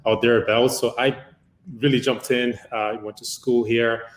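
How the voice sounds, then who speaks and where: Recorded with poor audio in an echoey room, a man in his fifties from Uganda who founded a company rambles through a long interview reply, peppering it with "uh." His mid-range voice barely shifts in pitch, and he keeps a moderate pace.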